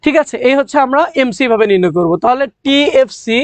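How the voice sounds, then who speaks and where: A young man from Bangladesh teaching an economics class, talking fast, repeating key points and quizzing students as he works through the numbers. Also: very high voice, lively intonation, no room sound. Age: young adult. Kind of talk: online class lecture.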